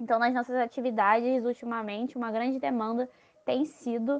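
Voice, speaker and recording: This woman has a high pitch and a fairly even intonation. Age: 20s. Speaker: biology graduate, sex education project member. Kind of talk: interview. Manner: formal.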